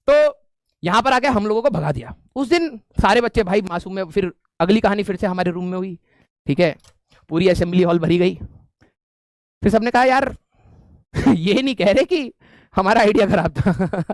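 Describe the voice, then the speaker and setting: A man's voice: sits high, dry recording. A male teacher telling a humorous story to his class with students around him, often chuckling and checking in with them as he goes.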